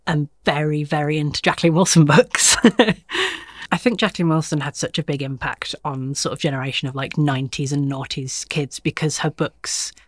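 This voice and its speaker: A young man in his twenties, chatty with quick asides, talking as an interviewee. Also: a little high, fairly even intonation, no echo, clean studio sound. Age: 20s. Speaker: interviewee, longtime reader.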